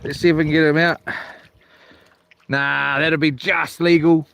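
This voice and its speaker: A man's voice: fairly high pitch, flat delivery, measured pace, gravelly, a bit bright. Broad Kiwi man, laid-back and slangy. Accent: New Zealand. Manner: laid-back, slangy, talking to himself and viewers. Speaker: fishing livestreamer. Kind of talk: casual rambling livestream chat. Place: outdoors on a small boat on the water. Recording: noisy outdoor boat recording, water and clicks.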